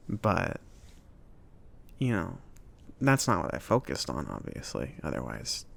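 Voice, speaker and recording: A man playing a friendly, awkward mage who runs a magic shop, rambling and reassuring in a soft-spoken ASMR roleplay. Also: low-pitched, huge pitch swings, a little slow, creaky, full character voice. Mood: sheepish, reminiscing. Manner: rambling, hesitant, reassuring, with nervous chuckles.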